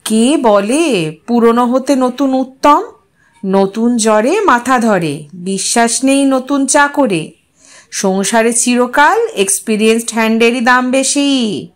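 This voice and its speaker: An exuberant male office colleague, acted by a woman narrator, full of theatrical teasing. The voice sits high and banters freely in an audio story. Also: takes it slowly. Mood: mock-singsong.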